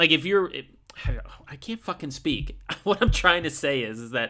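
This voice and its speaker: At a fairly quick pace, a bright, sharp tone comes through in a very clean recording with a silent background. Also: man. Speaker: live-stream commentary host. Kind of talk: casual chat. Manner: stutter.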